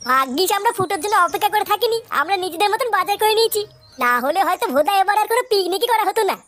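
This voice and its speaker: A woman's voice: very high voice, animated, very fast, fairly bright tone. A woman voicing a cheeky, boastful, foul-mouthed young village lad in a comedy cartoon. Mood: matter-of-fact. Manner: brash, slangy, swearing.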